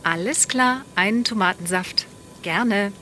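Polite flight attendant. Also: female voice, medium pitch, a little slow, sharp tone, slight background noise. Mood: polite, attentive. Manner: courteous flight attendant service talk. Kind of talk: language-course radio drama.

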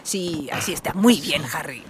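A woman's voice: sits low, animated, moderate pace, very noisy. A woman playing a teasing, instructive guide who explains scenes in a scripted radio drama. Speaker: narrator figure guiding Harry.

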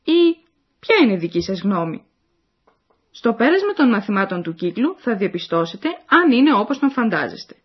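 A woman's voice: medium pitch, big pitch swings, husky. A woman reading the scripted narration of a language course, explaining and addressing the listeners. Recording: dull lo-fi recording.

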